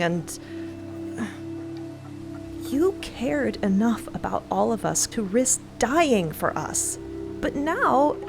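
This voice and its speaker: A woman's voice: high-pitched, pitched above the performer's own voice, heavily acted. A woman playing an exasperated, intense female space explorer in an audio drama, blunt and emphatic.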